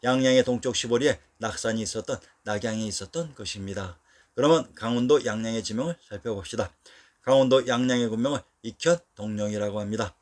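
A man reading a scripted historical narration, listing place names in a steady, measured voice. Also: mid-range voice.

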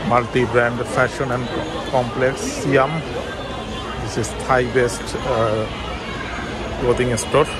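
A man's voice: mid-range voice, loud music behind the voice, poor audio. Man narrating a walk through a busy mall. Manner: plain, halting descriptions of shops with fillers. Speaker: travel vlogger. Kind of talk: walking tour narration. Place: busy shopping mall, indoors. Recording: loud crowd and mall noise behind.

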